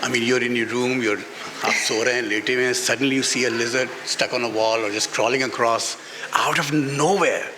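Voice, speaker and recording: A Pakistani-accented man speaking off the cuff as an author at a book talk, halting and repeating phrases for emphasis. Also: medium pitch, steady tone. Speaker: author and playwright being interviewed. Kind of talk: unscripted talk on stage at a book event. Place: festival stage before an audience. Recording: hall reverb, faint background noise.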